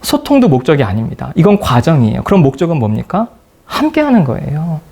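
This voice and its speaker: Male lecturer, fairly high gravelly voice, acts out quotes, questions the room. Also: a little fast. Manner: animated, acts out quoted dialogue, asks the audience questions. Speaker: lecturer on group counseling. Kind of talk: lively lecture to an audience.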